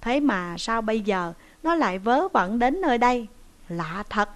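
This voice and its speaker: A woman's voice: on the high side, big pitch swings, unhurried. A woman doing a stern, shrewd village headman. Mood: explaining. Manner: commanding, scolding.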